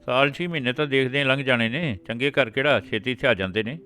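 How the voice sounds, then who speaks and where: A man voicing an older village priest in an audiobook, giving measured, cautious advice in a raised voice. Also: medium pitch, pushed and bright, smooth, faint music behind, voice pushed up, lightly acted.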